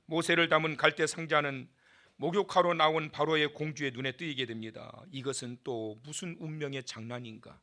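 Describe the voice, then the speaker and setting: A man's voice: fairly high pitch, fairly even intonation, brisk, sharp tone. A male pastor giving a sermon in church, dramatic and full of questions to the congregation.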